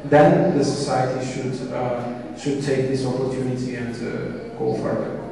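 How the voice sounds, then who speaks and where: A man on a panel, speaking haltingly with frequent restarts and an even, flat delivery. He sounds distant from the mic in a big reverberant hall, with an audience murmuring around him. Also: medium pitch, crowd noise. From Georgia. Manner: hesitant, many restarts and fillers. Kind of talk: panel discussion answer. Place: large conference hall.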